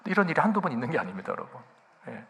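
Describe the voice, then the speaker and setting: Male pastor, sermon, church sanctuary, gravelly voice, very lively pitch, animated storyteller. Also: racing. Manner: animated storytelling, addresses the congregation with rhetorical questions.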